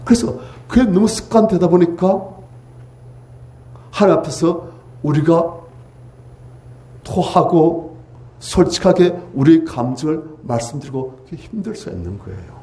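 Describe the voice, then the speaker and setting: A man preaching a revival sermon in a church sanctuary. His voice is dark and mellow, with a lively, swooping pitch. He swings between loud, pleading cries and hushed near-whispers. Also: unhurried, pauses often. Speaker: pastor.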